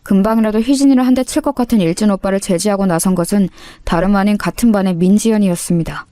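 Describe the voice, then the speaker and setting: A woman narrating a true-life story in a calm, conversational way, with faint music behind. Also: medium pitch, fast, smooth, dry recording, studio quality.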